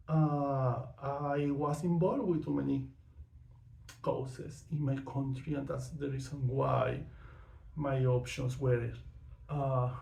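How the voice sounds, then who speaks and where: A man from Venezuela speaks English with a Venezuelan accent, his voice gravelly and mellow yet a bit high. He talks in a frank, outspoken way, with plenty of fillers. The recording has an echoey room sound. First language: not English or Spanish. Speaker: vlogger. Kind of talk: casual personal monologue.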